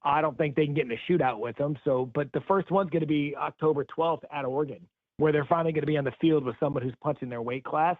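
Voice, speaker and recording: Fast-talking man on a tinny phone line. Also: fairly high pitch, no room sound. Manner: rapid, emphatic football breakdown. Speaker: guest analyst. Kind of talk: phoned-in sports talk. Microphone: phone call.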